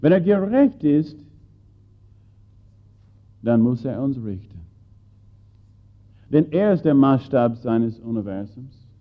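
Male preacher, sermon, slow deliberate pace, loud-to-hushed swings, asks listeners questions, tinny lo-fi audio. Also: mid-range voice, sing-song. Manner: addresses listeners directly with questions.

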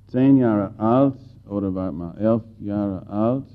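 A man preaching a sermon, swinging between loud bursts and hushed lines and putting questions to his listeners. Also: on the low side, takes it slowly, clear, resonant tone. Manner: addresses listeners directly with questions. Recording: tinny phone-like audio.

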